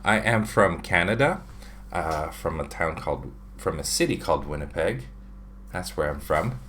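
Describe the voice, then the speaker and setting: On his drawing channel's casual livestream, a Filipino man in his thirties answers viewer questions, reading them aloud and chatting with many fillers. His low voice is a bit bright, with lively intonation at a normal speed and slight background noise, picked up by a desk webcam in a home room with shelves of figures.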